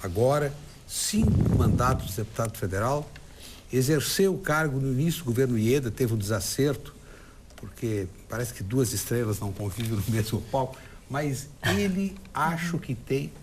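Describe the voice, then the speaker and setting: Measured male political commentator, mid-pitched. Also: darkish tone. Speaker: debate show panellist. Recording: faint background noise.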